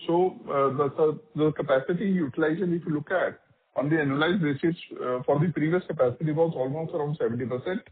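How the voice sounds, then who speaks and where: Husky Indian male executive on phone line. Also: fairly high pitch, fast talker. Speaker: company executive on an earnings call. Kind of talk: explanatory business talk. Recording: narrow phone line, radio-like.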